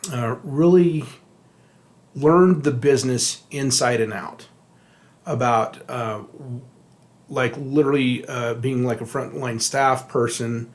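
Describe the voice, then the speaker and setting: A middle-aged man from Texas speaks in a relaxed podcast conversation. He pauses often on fillers and restarts his phrases as he works out what to say, at an ordinary pitch for a man. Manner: halting, many fillers and restarts. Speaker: podcast co-host, addiction therapist. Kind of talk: casual podcast talk.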